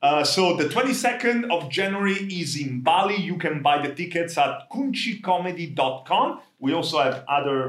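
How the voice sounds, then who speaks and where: A man with an Italian accent speaks in a high voice with lively intonation. He hardly pauses, and the room echo is audible. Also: moderate pace. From Italy. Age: 30s. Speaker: stand-up comedian. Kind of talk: casual chat.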